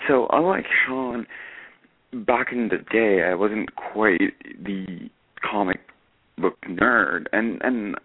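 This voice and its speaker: A man's voice: lowish voice, takes it slowly, slightly rough, phone-quality sound. A man in his thirties from Lebanon, a candid, self-deprecating guest in a podcast discussion.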